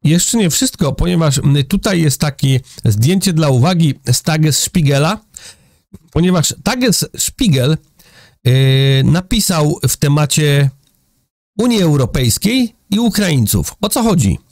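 A man's voice: a little high, very animated, measured pace, a little mellow, no echo, studio quality. A middle-aged man from Poland giving sarcastic, indignant political commentary to his viewers from a room with a big window. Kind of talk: opinionated news commentary. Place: indoor room with a large window over a city.

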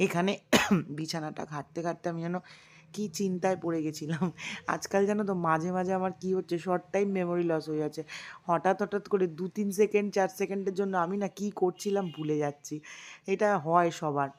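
Narrating a casual daily-life vlog, a woman in her thirties who is a mother chats homely and directly to her viewers while cooking and going about her day in the kitchen and other indoor rooms. She speaks a little fast, with a voice on the low side and a darkish tone.

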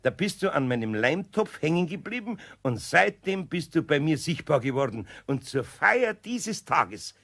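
A man playing a patient, kindly older master craftsman with a Bavarian accent in a children's audio drama, gravelly and homely. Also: on the high side, sing-song, normal speed, few pauses, a bit bright, full character voice. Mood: patient, teasing. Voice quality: gravelly, husky. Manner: good-natured, indulgent, homely.

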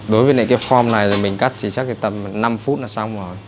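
A man with a Northern Vietnamese accent giving a brisk, chatty hands-on haircut tutorial in a barbershop. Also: lowish voice, fairly even intonation, noisy background. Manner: brisk, chatty, addresses viewers as brothers. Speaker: barber instructor. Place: barbershop indoors.

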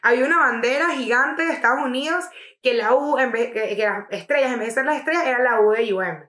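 Young Venezuelan woman, co-host, animated and slangy storyteller, slightly high voice, roomy echo. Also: quick pace. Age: young adult. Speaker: podcast co-host. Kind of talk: casual chat.

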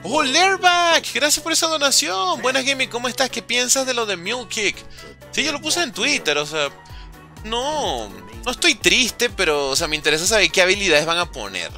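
A young man streaming a game, chatting casually with viewers and calling out their names in an excitable, slangy way. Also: high-pitched, moderate pace, faint music behind. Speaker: gaming livestreamer. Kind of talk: casual livestream chat while playing, reading chat aloud.

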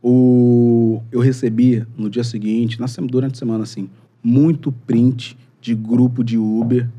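A man, a podcast guest telling a story in a casual, animated and slangy way, acting out what people said. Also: medium pitch, measured pace, husky, muffled recording. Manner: animated, slangy, acts out quotes.

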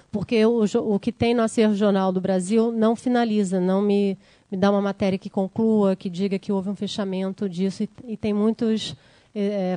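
A woman's voice: mid-range voice, dark tone, no echo. A woman giving an academic lecture, explaining slides and checking in with the audience. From Brazil. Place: lecture room.

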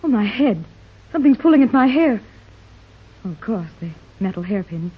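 A woman's voice: a little high, very animated, normal speed, slightly rough, exaggerated voice. An actress playing an earnest, polite wealthy mother searching for her lost daughter, in a 1930s radio drama. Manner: earnest and polite, easily startled. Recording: dull old 1930s radio recording.

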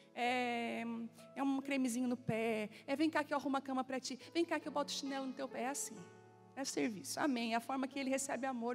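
A woman pastor in her forties preaches from the pulpit, with a high voice. She tells stories and acts out dialogue in lively bursts. Soft music plays faintly behind her. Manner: animated storytelling with acted-out dialogue. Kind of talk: sermon. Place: church.

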